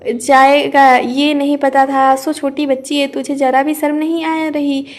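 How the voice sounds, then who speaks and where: Angry scolding brother, read by a woman, high voice, audio story. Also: level tone, unhurried. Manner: contemptuous and scolding. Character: angry protective brother, man.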